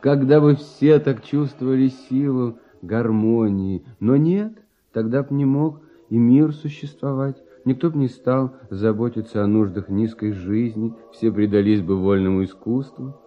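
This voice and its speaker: An actor playing a lighthearted, trusting young genius composer, speaking verse lyrically and theatrically in a classic Russian radio drama. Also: male voice, medium pitch, a little slow, few pauses, natural voice. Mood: exalted, then weary. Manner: lyrical, theatrical verse delivery with sweeping intonation. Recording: dull, muffled archival radio recording.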